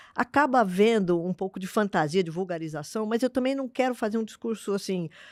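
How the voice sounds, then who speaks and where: A normal speaking voice with lively intonation, on a very clean recording with a silent background and a dry, close sound with no echo. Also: woman. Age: 60s. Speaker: philosophy of education scholar. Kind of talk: interview.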